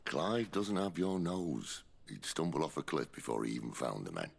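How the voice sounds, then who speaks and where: Gruff rebel boss in a game, super low husky gravelly voice, wry and shrewd. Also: male voice, animated, moderate pace, exaggerated voice. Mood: wry, persuasive. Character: gruff, wry middle-aged rebel leader, calm and shrewd. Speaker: video game actor. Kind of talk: cinematic game cutscene acting.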